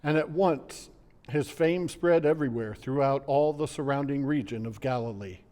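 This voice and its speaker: A man's voice: mid-range voice, moderate pace, warm tone. A middle-aged man, a pastor, reading the gospel expressively. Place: church sanctuary. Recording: long reverb of a church.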